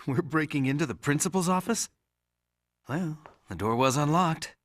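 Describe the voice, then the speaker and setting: A man's voice: on the high side, expressive, measured pace, echoey room, big-room sound. A man playing a worried, earnest father with a hesitant way of talking, in a naturalistic video game style. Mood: uneasy, wry. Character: worried, earnest everyman father searching for his daughter.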